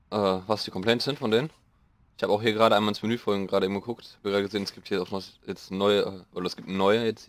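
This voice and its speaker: A young man with a slightly hoarse voice, rambling casually through gameplay commentary and mocking himself as he goes. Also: on the low side, no echo. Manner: rambling, self-mocking, thinking aloud. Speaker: let's play host.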